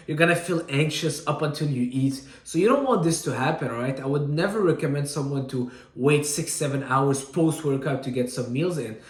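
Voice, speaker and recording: Male fitness coach from Syria, upbeat and chatty, slightly high voice, echoey room. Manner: energetic, repeats "all right?" often. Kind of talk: casual fitness advice to camera.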